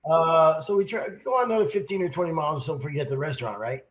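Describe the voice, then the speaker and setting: A man co-hosting a casual podcast, hoarse from a cold, telling a rambling, animated story with many restarts. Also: fairly high pitch, very fast, dull audio. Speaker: podcast co-host, sales manager.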